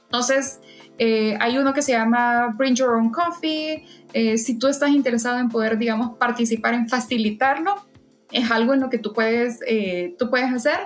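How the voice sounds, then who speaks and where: A woman's voice: on the high side, moderate pace, faint music behind. A woman guest in a casual interview, talking in a hesitant way with frequent fillers and restarts. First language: Spanish. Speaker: podcast guest, event volunteer.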